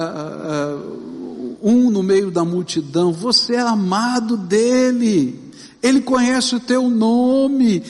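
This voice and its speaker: A middle-aged man with a Brazilian Portuguese accent, preaching a sermon as pastor, with emphatic, slow, drawn-out stresses. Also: high-pitched. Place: church sanctuary. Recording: long reverb of a large church.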